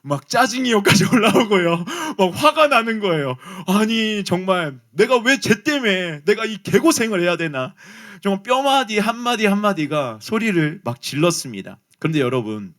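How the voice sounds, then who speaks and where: Animated high-voiced Korean pastor. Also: male voice, moderate pace, few pauses. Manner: animated storytelling, addresses listeners directly. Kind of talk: youth sermon with personal story.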